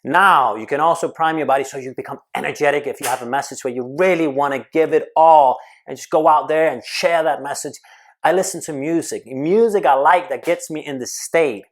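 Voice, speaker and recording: Speaking to the camera in a fairly high-pitched voice, a man offers public speaking advice. His delivery is energetic and emphatic, punctuated by quick bursts and sudden slowdowns.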